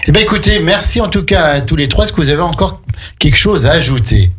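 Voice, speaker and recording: A man's voice: on the high side, lively intonation, fast, crowd noise. A man with a French accent hosting a conversational radio programme. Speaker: radio host.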